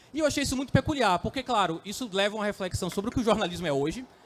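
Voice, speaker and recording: A man with a northeastern Brazilian accent talks with lively intonation. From Northeast Brazil, Campina Grande (Paraíba). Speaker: author, panel guest. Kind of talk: panel discussion.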